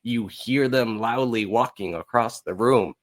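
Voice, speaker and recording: A man chatting casually as an interview guest, telling his story in a candid, animated, self-deprecating way. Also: medium pitch, measured pace. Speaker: podcast guest, musical writer.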